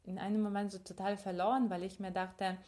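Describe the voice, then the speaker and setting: A woman's voice: medium pitch, level tone, a little fast, dark tone. A young woman from Ukraine, co-hosting a podcast in casual conversation, reflective and thinking aloud with fillers and restarts. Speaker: podcast co-host.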